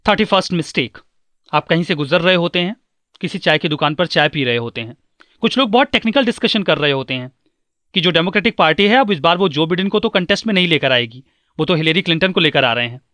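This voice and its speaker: Man, high voice, dry close sound, earnest instructive exam coaching talk. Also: animated, fast talker, bright, forceful tone, no echo. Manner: earnest, instructive, mixes English terms. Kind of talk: scripted advice talk.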